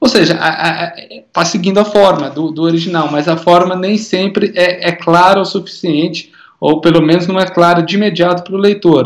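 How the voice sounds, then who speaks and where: This male voice is pitched high. The pitch varies in an ordinary way. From interior of São Paulo state, Brazil. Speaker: book editor. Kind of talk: interview. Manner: hesitant with frequent fillers.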